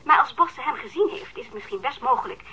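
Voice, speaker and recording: A woman's voice: high voice, lively intonation, quick pace, sharp tone, breathy edge, exaggerated voice. An actress in a radio drama playing an anxious, apologetic mother on the telephone, hesitant and stammering. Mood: hesitant, eager. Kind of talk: Dutch radio drama acting. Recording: telephone line with audible noise.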